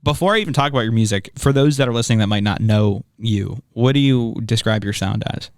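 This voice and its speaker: A man's voice: lowish voice, fast talker, no echo. Young male host, talkative and upbeat, slangy, dry close sound. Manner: chatty, enthusiastic, casual slang and swearing. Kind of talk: casual interview chat. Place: studio.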